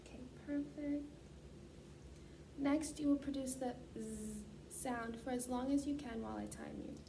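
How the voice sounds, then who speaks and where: A woman with a high voice speaks as a clinician, formally reading out procedural instructions. She is picked up from some distance from the mic, with clear noise in the recording. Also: fairly even intonation, a little slow. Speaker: student clinician giving a voice assessment.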